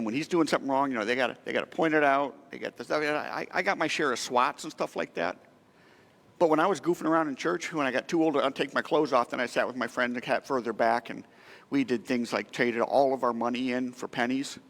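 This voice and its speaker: A middle-aged pastor preaches with feeling, mixing personal stories and pointed questions in a conversational way. His voice sits at an ordinary pitch for a man. The sound rings with the long reverb of a church hall. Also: creaky, a bit bright. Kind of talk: sermon. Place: church sanctuary.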